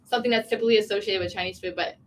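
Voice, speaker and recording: Young woman livestream host, quick chatty delivery, giggly, reads out viewer questions, faint room tone. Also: mid-range voice, fairly even intonation, a little hiss or hum. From Virginia, USA. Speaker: vlogger hosting a livestream. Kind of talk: casual livestream chat. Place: small tea room in an inn.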